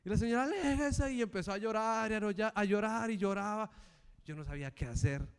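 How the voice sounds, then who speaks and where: Smooth-voiced male preacher in an echoing hall. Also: high-pitched, fairly quick. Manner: animated storytelling, acting out the characters. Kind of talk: sermon with personal anecdote. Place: church. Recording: reverberant church hall.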